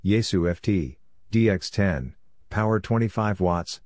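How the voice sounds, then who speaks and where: A man reading amateur radio practice exchanges aloud, in a flat and clipped manner. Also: low voice, a little slow, no echo, studio quality. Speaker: Morse code practice reader.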